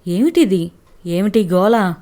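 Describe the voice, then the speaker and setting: A woman voicing a stern older male judge who questions people in a commanding, booming way in a storybook reading. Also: animated, unhurried, warm tone, lightly acted. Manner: booming, interrogating.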